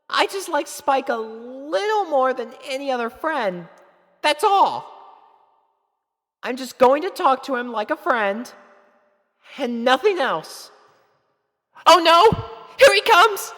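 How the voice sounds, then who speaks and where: A woman's voice: high voice, a bit bright, in a large hall, voice pushed up, heavily acted. A woman voicing a nervous young girl pony with a crush, stammering and gushing in a storybook reading. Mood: flustered. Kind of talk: storybook character voice in a fan fiction reading.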